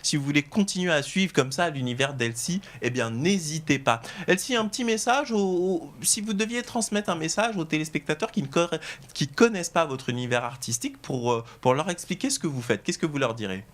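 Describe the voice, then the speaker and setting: A man hosting a TV talk show, presenting in a lively, emphatic showman's way to guests and camera. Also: fairly high pitch, a little fast. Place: TV studio.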